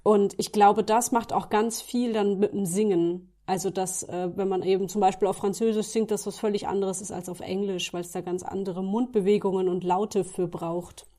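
A woman's voice: mid-range voice, steady tone, moderate pace, few pauses, warm tone. A woman interviewing a singer, speaking thoughtfully with small hesitations as she explains her ideas. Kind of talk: conversational interview.

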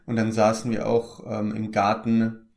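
Easygoing young German actor, low voice. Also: male voice, monotone, a little slow, vocal fry, darkish tone. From Germany, Palatinate. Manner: hesitant, many fillers and restarts, easygoing. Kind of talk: casual interview chat.

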